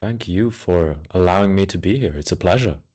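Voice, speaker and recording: Low-voiced man from Switzerland, interview guest. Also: fairly quick, warm tone, husky. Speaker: interview guest, speakers' agent. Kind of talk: conversational interview.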